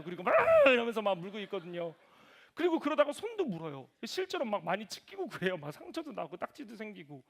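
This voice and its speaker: A man in his thirties preaching a sermon in church, telling lively family stories and acting out voices. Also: extremely high pitch. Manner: animated storytelling, voices his toddler and himself. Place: church sanctuary.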